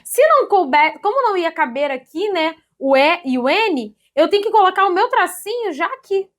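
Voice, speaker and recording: A Brazilian woman teaching an online grammar lesson in a lively, chatty way, often checking in with her students. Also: very high-pitched, moderate pace. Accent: Brazilian Portuguese. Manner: lively, chatty, addresses students as "gente", ends points with "tá?".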